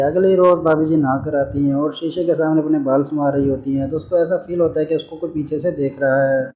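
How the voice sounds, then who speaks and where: A man's voice: on the high side, highs cut off, a little hiss or hum. A man narrating a story recap in a casual, chatty way, talking straight to his viewers as friends. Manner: chatty, addresses listeners as brothers and friends. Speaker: channel narrator.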